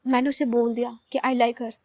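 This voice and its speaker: A woman's voice: a little high, flat delivery, normal speed, dark tone, dry recording, lightly acted. Woman voicing Eshani, hot-tempered lovestruck girl. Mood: impatient. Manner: blunt, impatient, insistent. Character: hot-tempered possessive young woman in love.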